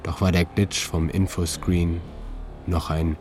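A man reading his own literary narration in a calm, measured way, with slow deliberate pauses. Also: low voice. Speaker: narrator and author. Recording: narration over music.

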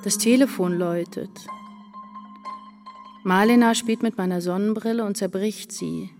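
Radio drama: woman acting an anguished writer narrating, deliberate incantatory phrasing, mid-pitched, faint music underneath. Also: steady tone, darkish tone, close to an everyday voice. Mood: bleak, haunted. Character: anguished woman writer, first-person narrator, fading into despair. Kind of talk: literary radio drama monologue.

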